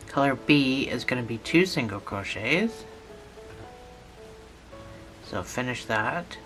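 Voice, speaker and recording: Bright-voiced tutor with a cold, slow patient step by step talk, soft music underneath. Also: mid-range voice. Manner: patient, repetitive instructions. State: has a cold, losing voice. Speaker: instructor.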